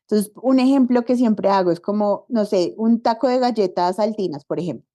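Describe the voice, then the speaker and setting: Woman, podcast guest; relaxed, mellow voice, chatty and expressive. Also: medium pitch, moderate pace. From Colombia. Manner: animated storytelling, acts out quoted dialogue. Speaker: podcast guest, body diversity activist. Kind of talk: casual conversational interview.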